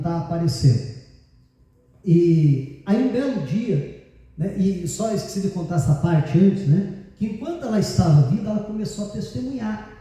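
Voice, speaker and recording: A male pastor with a Brazilian Portuguese accent tells a story from the pulpit, chatty and qualifying his memory as he goes. His voice is high yet mellow. He is picked up from a distance, with the long echo of a large church hall around him. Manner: conversational, hedging and self-correcting as he recalls details. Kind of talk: storytelling sermon. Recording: echoey church hall from far off.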